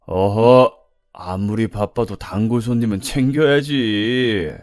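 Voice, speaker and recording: 남자가 연기하는 막무가내 취객 할아버지. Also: male voice, fairly low pitch, slow pace, a little mellow, dry recording, studio quality, soft background music. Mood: leering. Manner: leering, bullying, coarse. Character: pushy drunk male customer over sixty.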